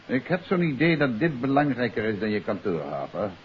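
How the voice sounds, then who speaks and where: An actor playing a shrewd, authoritative detective in a 1950s radio drama, speaking in a probing, deliberate way. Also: male voice, mid-range voice, big pitch swings, natural voice. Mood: stern, pressing. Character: shrewd, authoritative male amateur detective confronting a suspect. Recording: muffled 1950s radio recording with hiss.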